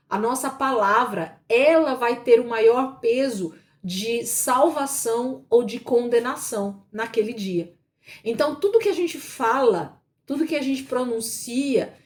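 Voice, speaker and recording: Woman Bible teacher, slightly high voice, patient and explanatory, keeps checking in with her class. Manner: explanatory, checks in with frequent tag questions.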